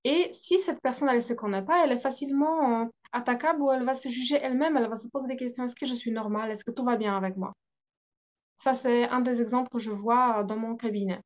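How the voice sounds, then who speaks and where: A woman's voice: on the high side, fast. A woman whose first language is not French, a business coach answering interview questions with frequent fillers and hesitations. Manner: hesitant, many fillers, laughs often.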